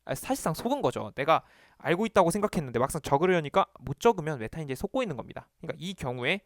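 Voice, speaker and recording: An animated man delivers a study lesson straight to the viewer, his fairly high voice bouncing up and down. He acts out quizzing himself aloud, and the sound is close and dry. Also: rapid-fire, no room sound. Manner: animated, talks to himself to demonstrate. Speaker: exam study coach. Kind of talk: lively video lesson to camera.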